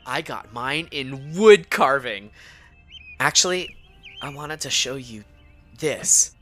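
Earnest, low-voiced teenage Boy Scout. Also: animated, takes it slowly, a bit bright, soft background music, full character voice. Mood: nervous pride. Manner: formal, bashful, stammering. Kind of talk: tabletop roleplaying audio drama.

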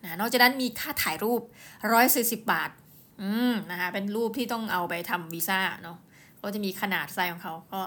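A lively woman host chats through a personal story as if to a friend. Her voice sits at an ordinary middle pitch. She throws in quick exclamations and keeps turning to speak straight to her listeners. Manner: chatty, animated, often addresses listeners directly.

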